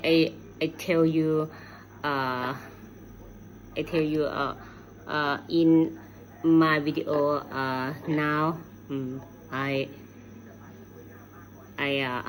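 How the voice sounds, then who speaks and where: In a room at home, a middle-aged woman from Thailand speaks into a phone at arm's length, leaving an unscripted video message. Her voice sits low, and with her Thai accent she works through hesitant learner's English, searching for words. The recording is rough.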